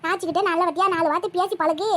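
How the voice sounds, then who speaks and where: A woman's voice: very high voice, fairly even intonation, racing, a bit bright. A woman voicing a chatty, meddling but caring middle-aged village aunty in a cartoon, scolding and advising in a Tirunelveli Tamil accent. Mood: coaxing. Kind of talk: cartoon voice acting.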